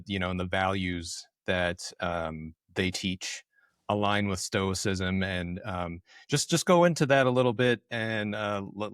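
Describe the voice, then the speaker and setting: A man's voice: low voice, a bit bright, clean tone, no echo, clean studio sound. A man hosting a podcast, putting questions to a guest in an informal, loosely phrased way. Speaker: podcast host, interviewer. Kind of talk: casual interview questioning.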